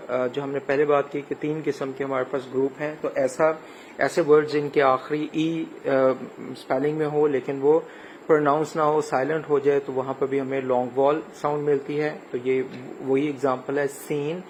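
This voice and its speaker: A man with a Pakistani accent teaching an English lesson, spelling words letter by letter and pausing with frequent hesitations. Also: a little high, slight background noise, rough recording. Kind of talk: recorded classroom lecture.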